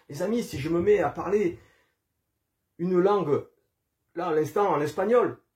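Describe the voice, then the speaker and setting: A man speaks with a Spanish accent at a high pitch. His pace is moderate and his pitch variation ordinary. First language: Spanish (speaking French). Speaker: preacher. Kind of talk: sermon.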